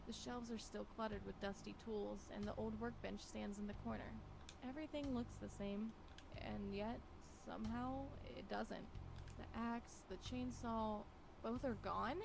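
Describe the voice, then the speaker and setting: A woman playing a lonely, regretful wife in a visual novel, wistful and brooding, with deliberate phrasing. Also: fairly high pitch, fairly even intonation. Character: Violet, lonely regretful wife wandering a forest. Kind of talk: scripted visual novel monologue. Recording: clearly noisy, with ambience behind.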